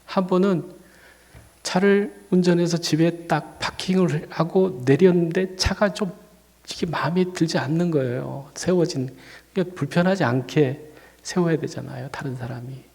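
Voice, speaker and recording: A male pastor preaching through a cold in a church sanctuary, his gravelly voice pitched a bit high. He tells the story in a conversational way and climbs hard on the points that matter. A long reverb from the hall trails every phrase. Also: normal speed, darkish tone. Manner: conversational, with rising emphatic peaks on key points. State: fighting a cold and feeling dizzy. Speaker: senior pastor. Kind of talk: storytelling sermon.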